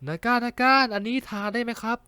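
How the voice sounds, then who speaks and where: Man putting on a squeaky shy college boy, whiny and fiery, jumps all over in pitch, dead dry close audio. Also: steady tone, fast, bright, forceful tone, clean tone, dry recording. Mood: cheerful. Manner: high, squealing, whiny protests. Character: bashful young male university freshman, sweet and feisty.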